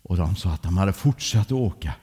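A man telling a children's story aloud in a lively way, speaking directly to young listeners. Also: sits low, husky, long reverb tail.

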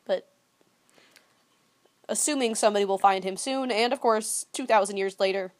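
A woman's voice: mid-range voice, moderate pace. A woman co-hosting a podcast in casual chat, talking with wry, sarcastic asides. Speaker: podcast co-host.

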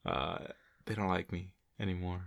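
Deep gravelly young man, laid-back. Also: level tone, moderate pace. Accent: Mexican. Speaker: podcast co-host. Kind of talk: casual chat.

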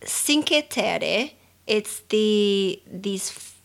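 Woman, thirties, Brazilian accent, slow and unhurried, rambling with fillers, casual podcast chat. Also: mid-range voice, animated, gravelly. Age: 30s. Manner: rambling, many restarts and fillers. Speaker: podcast co-host.

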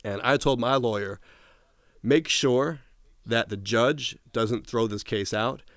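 A man's voice: mid-range voice, takes it slowly, dry recording, studio quality. A man being interviewed, retelling a long story in a casual way, restarting often and quoting what others said. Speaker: interview guest.

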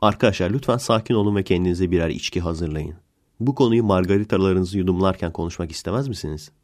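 A man voicing an overly polite male bartender who speaks in a smooth, calm, formal way. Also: deep voice, fast, voice pushed down. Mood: soothing.

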